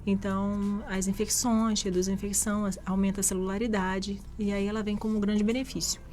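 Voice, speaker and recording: A woman speaks at a mid pitch as a physician guest on a radio show. She explains things steadily and conversationally, in a radio studio. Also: level tone, a little fast, darkish tone. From Rio de Janeiro, Brazil. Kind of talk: radio interview answers.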